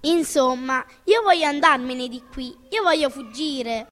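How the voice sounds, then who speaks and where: A frightened, stubborn wooden puppet boy, as a woman reading a storybook puts him on, wails and pleads in a very high, piping voice. The sound trails off into a long hall-like reverb. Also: normal speed, close to an everyday voice. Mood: anxious. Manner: wailing, pleading and protesting.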